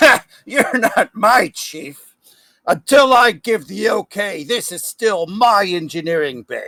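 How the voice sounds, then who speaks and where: The speaker uses a put-on character voice that is gruff and fairly high in pitch. The pace is fairly slow. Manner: suspicious, territorial.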